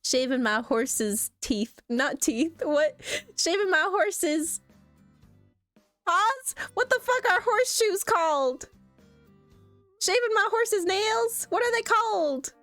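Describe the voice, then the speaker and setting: A young adult woman streaming casually, reacting to posts in a playful, animated way and laughing often. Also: very high voice, slow pace, no echo, soft background music.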